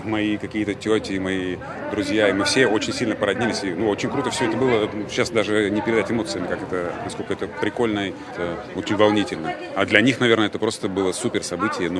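Deep-voiced quick-talking man, crowd behind. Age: 30s. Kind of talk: informal interview. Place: theatre stage, reporter mic.

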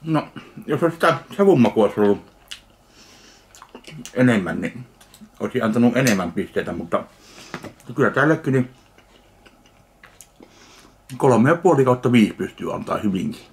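Gravelly middle-aged man, casual food taster. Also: medium pitch, sing-song, pauses often. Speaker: food review vlogger. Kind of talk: casual food tasting commentary to camera. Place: small home kitchen, indoors. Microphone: camera a short distance away. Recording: clear background noise, handling clicks.

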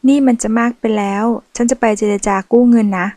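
A woman's voice: a little high, fairly even intonation, brisk, dark tone, no room sound, close to an everyday voice. A woman reading a novel aloud, voicing a young woman who is seeking a loan, in a plain, earnest manner.

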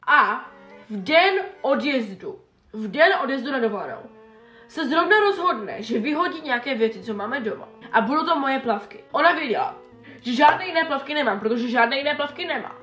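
A young woman vlogger chatting in an animated, exasperated way while doing her makeup. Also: high-pitched. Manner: animated, exasperated retelling with quoted dialogue. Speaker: beauty vlogger. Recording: echoey room with faint background music.

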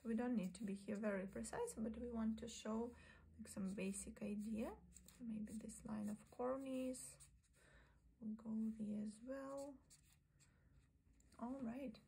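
Breathy, slow-talking woman sketching teacher. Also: on the high side, rough recording. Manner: calm, often half-whispered narration while drawing. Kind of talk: soft-spoken drawing tutorial. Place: indoors at a desk, overhead camera on the sketchbook.

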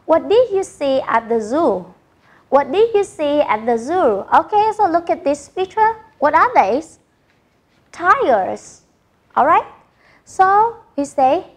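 A woman teaching English online, clearly and patiently repeating model sentences. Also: sits high. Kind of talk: online lesson narration.

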